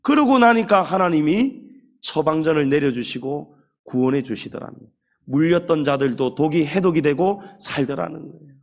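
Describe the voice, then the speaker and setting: A male pastor preaching a Sunday sermon. He speaks emphatically, addresses the congregation directly and slows down to stretch key words. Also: a little high, animated.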